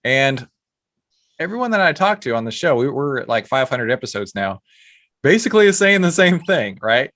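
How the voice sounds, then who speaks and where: A man's voice: medium pitch, big pitch swings, normal speed, a bit bright, no room sound, studio quality. A man hosting a podcast interview, talking eagerly with lots of restarts and fillers. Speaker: podcast host.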